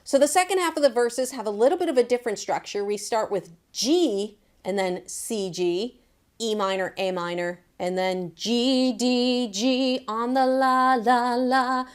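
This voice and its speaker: A woman's voice: a little high, a little slow, clean tone. A woman giving a casual, chatty guitar lesson, talking informally and directly to viewers as their teacher. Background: acoustic guitar.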